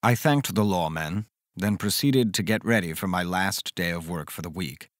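An actor playing a caring, reflective man who recounts eerie events in measured, dramatic first-person horror narration. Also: low-pitched, dry recording, clean studio sound, lightly acted. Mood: uneasy, reflective. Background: music underneath.

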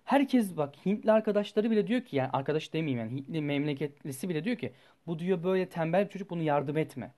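A young man, a student, telling a story to his viewers in a casual, animated way, blunt and full of swearing, his voice jumping up and down as he goes. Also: quick pace. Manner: animated, blunt and profane, with sudden jumps in pitch and loudness.

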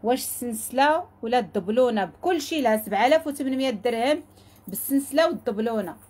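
Woman, Moroccan accent, jewelry seller, live sales pitch, quick delivery, repeats her exclamations. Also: animated, a little mellow. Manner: repetitive, enthusiastic exclamations.

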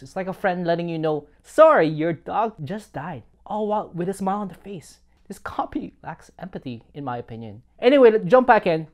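A man hosting a product onboarding review, narrating from a script with wry jokes and small chuckles. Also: sits high. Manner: wry, joking, chuckles at own lines. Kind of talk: scripted narration with playful asides.

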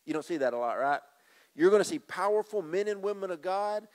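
A man's voice: sits high, lively intonation, fairly quick, a little mellow. A middle-aged man preaching a sermon on a church stage into a handheld mic, emphatic and repeating phrases as he addresses the congregation. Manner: moves about the stage and gestures. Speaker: pastor. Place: church stage with drum kit.

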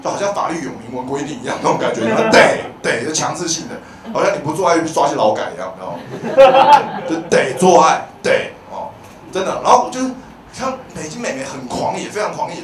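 High-voiced male comedian in an echoey club. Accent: Taiwanese Mandarin. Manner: animated, bursts into loud shouted bits and mock voices. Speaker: stand-up comedian. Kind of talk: stand-up comedy set. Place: comedy club stage with live audience. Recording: echoey club sound from a distance, audience noise.

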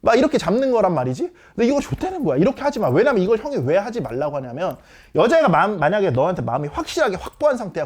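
A man in his thirties gives a dating lesson in a casual big-brother tone that is blunt and swaggering. He talks fast, and his voice swings up and down with animated emphasis. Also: sits high. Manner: blunt, swaggering big-brother tone, peppered with slang and "okay?" checks. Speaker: dating coach. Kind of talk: casual lecture to young men.

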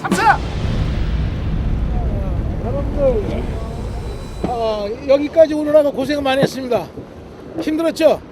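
A man's voice: very high voice, expressive, unhurried, pauses often. A man instructing trainees outdoors at sea in a formal, commanding way, calling out drill orders. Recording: noisy outdoor recording with crowd voices.

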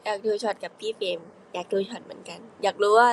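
A woman's voice: medium pitch, fairly even intonation, fast talker, a little hiss or hum, poor audio. Chatty young woman on a livestream. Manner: chatty, playful, giggly, reading fan comments. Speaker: idol livestream host. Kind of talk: casual livestream chat with fans.

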